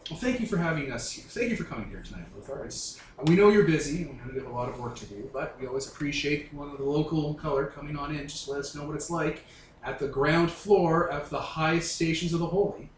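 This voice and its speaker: A breezy, flattering radio interviewer, played by a man in a tabletop game chats along like an indulgent showman. The voice sits a little high, in a roomy space with faint noise. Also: quick pace, natural voice. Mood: smoothly gracious. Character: breezy, flattering radio talk-show host interviewing young gods. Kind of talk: radio interview role-play.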